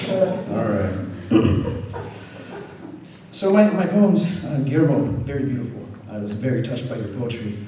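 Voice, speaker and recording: A man, a poet from Arizona, chatting casually with an audience and then reading his poems aloud at a live reading. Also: mid-range voice. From Arizona, United States. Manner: relaxed chatty asides, animated when reading. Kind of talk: poetry reading. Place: poetry reading venue. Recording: roomy hall from a distance, faint noise.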